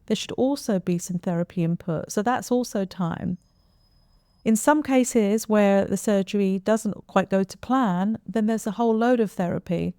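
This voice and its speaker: A middle-aged woman giving an informal educational explainer to camera in a measured way, speaking as a voice therapist. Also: medium pitch, warm tone, no room sound, studio quality. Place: small indoor room with armchair. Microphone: lapel mic.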